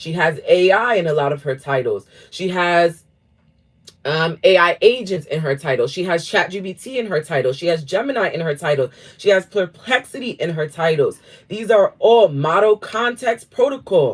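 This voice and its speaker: At a moderate pace, a woman speaks at a medium pitch with an animated tone and lively intonation. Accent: American. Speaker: YouTube coach. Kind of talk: live online class. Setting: livestream.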